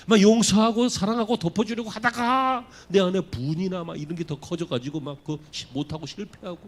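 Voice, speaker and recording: Male pastor preaching, slightly high voice, very lively intonation, questions to the congregation. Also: slight background noise. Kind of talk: sermon. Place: church sanctuary.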